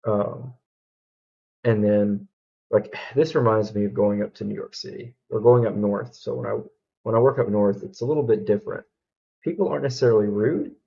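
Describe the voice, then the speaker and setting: A man from Alabama with a Southern accent, reacting to a video in casual commentary, halting with many ums and restarts. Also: lowish voice, gravelly, highs cut off.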